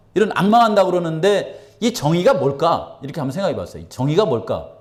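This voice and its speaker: There is audible room echo as a man talks at a fairly quick pace with lively intonation. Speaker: pastor. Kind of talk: sermon. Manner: conversational, rhetorical questions to congregation.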